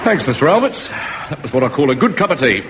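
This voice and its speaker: An actor playing a blustering, indignant air-raid warden in a sitcom. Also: male voice, mid-range voice, sing-song, fast, lightly acted. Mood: casual. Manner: blustering, abrasive. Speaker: comedy actor. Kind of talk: 1970s British sitcom acting. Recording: dull old broadcast, faint noise.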